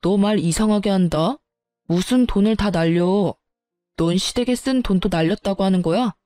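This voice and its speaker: A woman's voice: mid-range voice, normal speed, warm tone, faint music behind, lightly acted. A woman narrator voicing a smug, contemptuous husband who talks down to his wife with dismissive insults.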